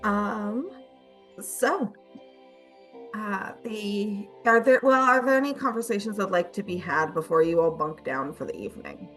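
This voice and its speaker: A woman narrating as game master of a tabletop game, relaxed and hesitant, with many fillers. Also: mid-range voice, measured pace, faint music behind.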